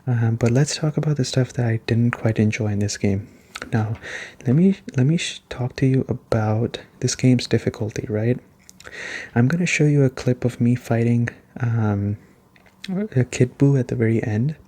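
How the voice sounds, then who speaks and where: A soft-spoken man giving a relaxed, rambling ASMR game review, conversational and repeating points for emphasis. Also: medium pitch, moderate pace.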